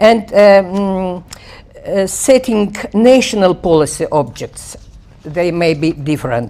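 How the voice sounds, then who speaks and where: Noticeable background noise sits behind a woman speaking with a Russian accent. Her medium-pitched voice has lively intonation and a fairly slow pace. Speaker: conference speaker, government official. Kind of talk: conference talk. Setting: conference hall. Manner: halting, many fillers.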